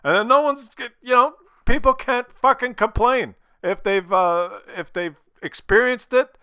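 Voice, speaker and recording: A man's voice: very high-pitched, measured pace, bright, forceful tone, clean tone, no room sound, clean studio sound. A man talking casually to his viewers, blunt and opinionated, swearing freely, while losing his voice from a cold. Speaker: gaming video creator.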